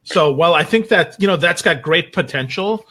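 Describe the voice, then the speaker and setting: A man with a fairly high, very bright and forceful voice talks as a panel guest. He speaks casually but emphatically, doubling back on words to drive points home. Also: lively intonation, moderate pace. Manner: emphatic, repeats words, tags points with "right?". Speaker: guest on a social media talk show.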